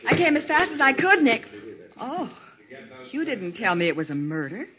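Detective's gal assistant, bright sharp voice, animated, perky, slangy, 1940s radio drama. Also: female voice, a little high, normal speed. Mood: breezy, surprised. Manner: lively, slangy. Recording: muffled old radio recording.

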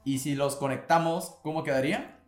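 A man's voice: fairly high pitch, brisk. A man hosts a casual language lesson, explaining step by step and quizzing his co-host. His voice sits in a roomy, echoing space with faint music underneath. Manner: explains patiently, prompts co-host with questions. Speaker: podcast co-host, Korean teacher.

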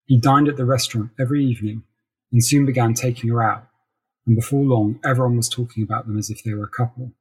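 Man narrating literary fiction, slightly husky. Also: mid-range voice, fairly even intonation, fast, low-quality recording. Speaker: narrator reading a short story. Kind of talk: literary audiobook-style narration.

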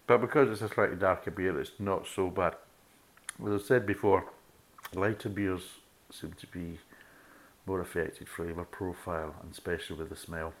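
Scottish man, middle-aged, low voice, casual podcast host, chatty, sweary. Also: creaky. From Scotland. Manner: chatty, swears freely, laughs at own jokes. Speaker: beer review podcast host. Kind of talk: casual chat.

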